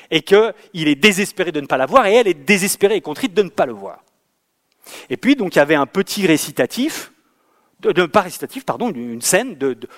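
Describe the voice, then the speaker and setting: Animated man telling theatre stories. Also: fairly high pitch. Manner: lively storyteller who acts out scenes; hesitant, with many fillers and repeated words. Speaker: theatre director. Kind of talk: lecture with anecdotes.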